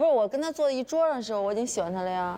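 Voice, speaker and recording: A breathy, female-sounding put-on character voice, fairly high in pitch, at a very fast pace. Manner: cutesy, soft, sweetly boyish.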